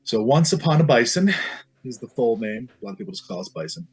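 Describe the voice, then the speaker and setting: Husky, laid-back male guest. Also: mid-range voice, animated, quick pace, a little mellow. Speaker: guest musician. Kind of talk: casual interview chat.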